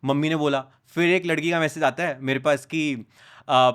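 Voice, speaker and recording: A young man, a podcast guest, talking in a casual conversation and telling animated stories as he switches between Hindi and English. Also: fairly high pitch, normal speed, smooth. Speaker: podcast guest, content creator.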